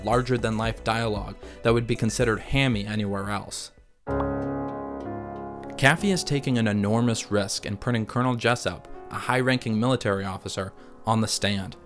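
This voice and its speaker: A man with a fairly low voice narrates a scripted analysis over music. He speaks in a measured, articulate way, explaining each point like an essayist. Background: background music.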